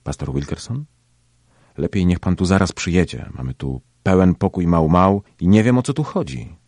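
A man's voice: deep voice, moderate pace, darkish tone, dry recording, clean studio sound. A man voicing a suspicious middle-aged police lieutenant in an audiobook story, asking curt, demanding questions.

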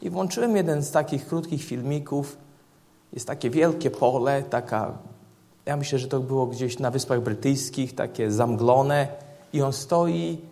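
A man with a gravelly, creaky voice preaches a sermon at a church service. He retells short scenes in vivid detail to drive home his points. His pitch sits at an ordinary middle height, and his delivery is earnest and measured. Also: a little mellow. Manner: illustrates points with vivid retold stories.

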